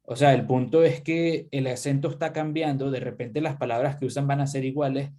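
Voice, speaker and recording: A young adult man talks through exam advice in a loose, conversational way, dropping fillers as he goes. His voice sits at an ordinary pitch with a dark, mellow tone. He sounds like a teacher chatting in an interview. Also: brisk. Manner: relaxed, conversational, uses many fillers. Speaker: English teacher. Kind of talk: casual advice in a live interview.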